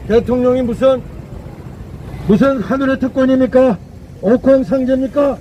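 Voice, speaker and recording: In a fiery political street speech outdoors, a man with an extremely high, dark-toned voice speaks at normal speed, emphatic and declamatory, repeating phrases for effect. A little hiss or hum can be heard.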